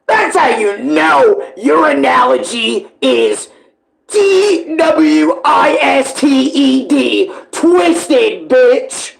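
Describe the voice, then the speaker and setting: Guy doing a live reaction stream, super slangy and animated, swears a ton, casual chat. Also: extremely high pitch, extremely slow, gravelly, rough recording.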